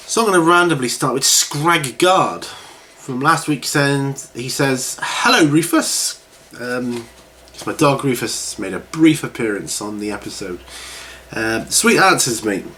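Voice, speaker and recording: A middle-aged man, recovering from a cold with a cough, hosts a hobby question-and-answer video series, chatting to camera in a casual, rambling way. His medium-pitched voice is bright, forceful and slightly congested, in a clearly noisy home recording.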